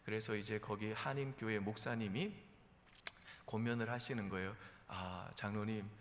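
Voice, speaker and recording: Speaking at a moderate pace in a lowish voice, this man preaches to his congregation as their pastor, relaxed and story-driven. The recording captures a reverberant church hall in the sanctuary, with slight background noise.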